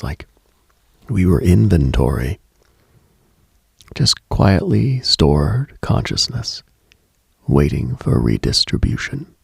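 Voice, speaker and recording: Very deep, breathy, slow man. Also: no echo, clean studio sound. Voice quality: husky, breathy, gravelly low voice. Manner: hushed, deliberate, brooding storyteller with pauses. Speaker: late-night radio host. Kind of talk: scripted late-night mystical monologue, ASMR-like.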